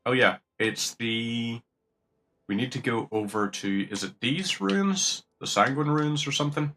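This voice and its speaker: Jokey, sweary streamer. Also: male voice, medium pitch, a little slow, pushed and bright, a little hiss or hum. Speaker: gaming streamer. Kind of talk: casual commentary while playing.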